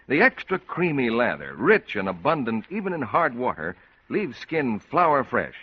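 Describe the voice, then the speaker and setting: A male radio announcer reading a 1940s ad with smooth salesman patter. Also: medium pitch, slight background noise. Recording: dull lo-fi old radio broadcast.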